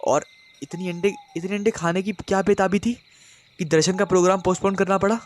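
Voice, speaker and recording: An impatient young husband scolds his wife, exasperated and quick with his questions. A man plays him close to his own narrating voice. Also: on the high side, lightly acted.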